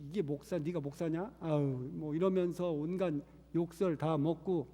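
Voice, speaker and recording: A man's voice: a little high, fairly even intonation, moderate pace, dark tone. A man who is a missionary preaching a sermon, telling a story earnestly. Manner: earnest storytelling, acting out quoted voices. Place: church sanctuary. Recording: reverberant church hall.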